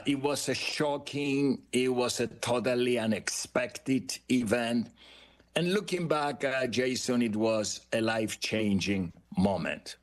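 An older man with a Greek Cypriot accent, a guest author telling his life story in an interview, measured and reflective, pausing often on "uh". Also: mid-range voice. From Cyprus. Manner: measured, reflective, frequent "uh" pauses.

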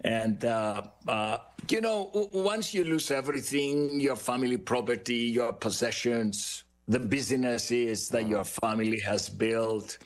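An older man with a Greek Cypriot accent, a guest author telling his life story in an interview, measured and reflective, pausing often on "uh". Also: medium pitch. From Cyprus. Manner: measured, reflective, frequent "uh" pauses.

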